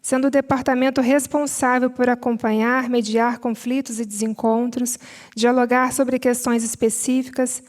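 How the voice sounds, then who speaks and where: A Brazilian Portuguese-accented woman at a seminar panel, reading a prepared summary in a measured way with spoken asides. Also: fairly high pitch, little pitch movement, darkish tone. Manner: measured, mixes read text with spoken asides and fillers.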